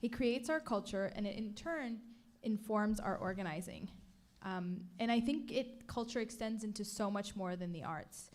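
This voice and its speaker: A woman speaks on a community panel at an even middle pitch, her tone earnest and measured. She pauses on small fillers while gathering her thoughts. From Palestinian. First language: Arabic. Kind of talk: prepared panel talk.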